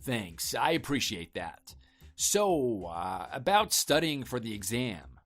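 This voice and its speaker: A man's voice: medium pitch, sing-song, slow pace, a bit bright, faint music behind, full character voice. A man playing an evasive husband in a scripted online story drama, talking casually and persuasively to placate his wife. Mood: casual, coaxing.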